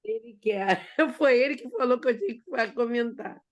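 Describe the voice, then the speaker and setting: A woman in an online study group, calmly telling a personal story and retelling what others said, over a video call. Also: a little high. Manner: unhurried, conversational, retells dialogue. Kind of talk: casual storytelling in a group discussion.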